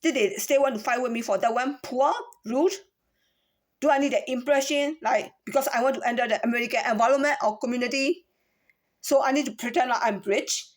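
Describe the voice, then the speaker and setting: Speaking high-pitched to her camera, a Myanmar vlogger wanders through a monologue, repeatedly asking rhetorical questions and starting her sentences over.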